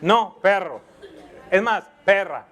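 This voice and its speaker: A man's voice: high-pitched, expressive, slow, a bit bright. A male pastor preaching a sermon, dramatic and humorous, acting out the voices in the story with asides to his congregation. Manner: dramatic, acts out the quoted voices.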